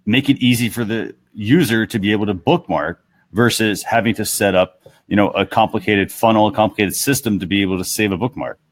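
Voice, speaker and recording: A man hosting a casual panel discussion, talking a little haltingly as he thinks aloud. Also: lowish voice. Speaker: talk show host.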